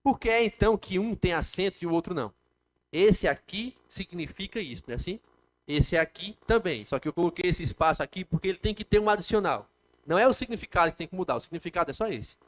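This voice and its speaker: A man with a Brazilian Portuguese accent gives a lecture in a classroom. His voice sits a little high, and he explains step by step, often asking the class questions. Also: animated, rapid-fire, fairly bright tone. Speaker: teacher. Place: classroom with students.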